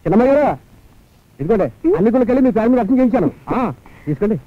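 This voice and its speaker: A young man acting as a chatty, flattering servant in a film scene. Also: sits high, dry recording. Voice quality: rapid, flattering. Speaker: film hero. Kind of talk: Telugu film dialogue. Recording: tinny lo-fi film soundtrack, music.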